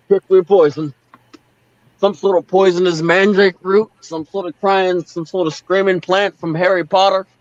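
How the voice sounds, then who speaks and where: A man's voice: sits high, fairly even intonation, a little slow. A man co-hosting a live-stream chat who makes blunt, colorful rants. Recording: slightly dull lo-fi sound.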